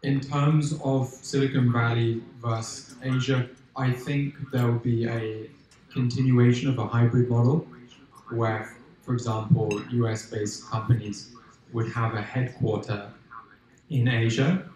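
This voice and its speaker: A man speaking in a measured way on a conference panel, with some fillers. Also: medium pitch, flat delivery, a little mellow. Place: large conference hall. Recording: distant, echoey hall.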